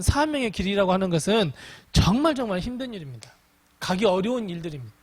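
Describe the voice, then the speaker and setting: A male pastor leads a Bible study with a high, bright-sitting voice. His pitch swings widely as he preaches, and he acts out dialogue with lively energy.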